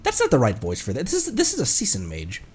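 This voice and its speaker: A man's voice: medium pitch, huge pitch swings, fast, slightly rough. A man chatting casually on a game livestream, playfully thinking aloud as he goes. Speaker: streamer.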